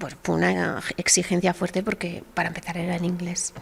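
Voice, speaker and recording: A woman speaks with a medium pitch. Her pace is moderate. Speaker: film director and screenwriter. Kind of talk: public conversation, interview. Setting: university lecture hall with audience. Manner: halting, many restarts.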